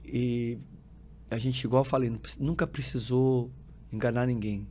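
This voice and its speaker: Pastor guy telling his story on a podcast, acts out the dialogue, mid-pitch voice, bit of faint noise behind. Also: normal speed. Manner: lively storytelling, acting out dialogue, frequent filler tags; preacherly, quotes scripture with rising emphasis. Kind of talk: personal testimony in a podcast interview.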